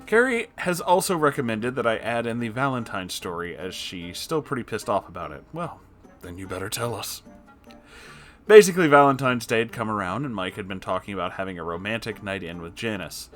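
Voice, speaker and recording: Male story narrator, low voice, sarcastic and exasperated delivery, expressive reaction commentary, background music. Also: fairly quick. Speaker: host reading and reacting to online stories.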